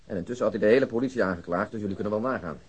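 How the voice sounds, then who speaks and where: A man's voice: lowish voice, racing, a little mellow, lightly acted. An actor playing a dry, matter-of-fact policeman in a radio drama, explaining things in a wry, expository way. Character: dry, matter-of-fact male police colleague giving case background. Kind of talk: Dutch radio drama dialogue.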